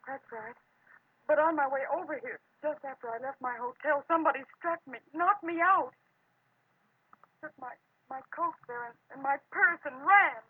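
A woman playing a polite, shaken young woman in 1940s radio drama, halting and earnest. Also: sits high, no room sound. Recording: muffled, phone-like old radio recording.

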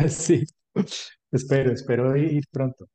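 A Colombian man speaks as an interview guest in a dark, relaxed voice of medium pitch. He explains his professional experience conversationally, in measured phrases. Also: husky, no room sound. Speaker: podcast guest, dentist specialised in prosthodontics and implants.

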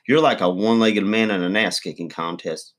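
A man's voice: sits low, a little fast, a bit bright. A man playing a crude, boastful middle-aged redneck uncle, rambling folksy advice in a comedy monologue.

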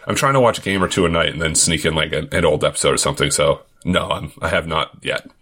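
Deep-voiced man with a Boston accent. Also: fast, fairly bright tone, slightly rough. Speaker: sports podcast co-host. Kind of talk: casual sports podcast chat.

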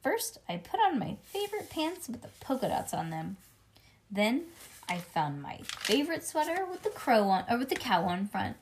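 A woman voicing a boastful, excitable kindergarten girl who narrates her day in childish grammar, as in a storybook read-aloud. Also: a little high, normal speed, background noise. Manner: childish grammar, bragging, dramatic emphasis.

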